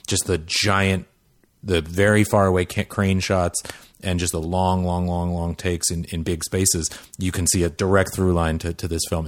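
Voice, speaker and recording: A man's voice: deep voice, no room sound, studio quality. A man talking about a film on a podcast panel, enthusiastic and rambling, with many restarts. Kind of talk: casual film discussion.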